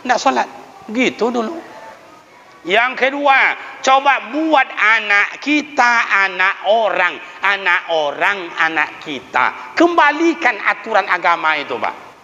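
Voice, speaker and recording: Bright-voiced preacher man with a lilt. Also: high-pitched, lively intonation, takes it slowly. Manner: humorous storytelling with folksy asides, addressing elders directly. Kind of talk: lively village sermon. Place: mosque. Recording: reverberant hall sound, dull lo-fi.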